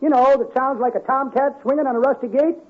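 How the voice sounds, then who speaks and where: An actor playing a folksy, rambling old man who spins tall tales and calls everyone kids, in a vintage radio comedy. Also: fast talker. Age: older. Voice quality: high cracked old-timer voice, drawling. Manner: chuckling yarn-spinner, calls everyone kids. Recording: muffled vintage radio recording.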